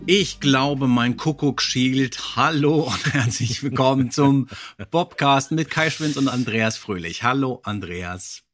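A man's voice: mid-range voice, slow pace, a bit bright, soft background music. A man hosting a podcast, chatting casually and sometimes reading out passages. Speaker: podcast host.

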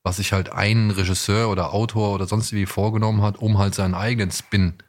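Fast-talking low-voiced German man. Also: level tone. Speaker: podcast co-host. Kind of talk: casual chat, giving opinions.

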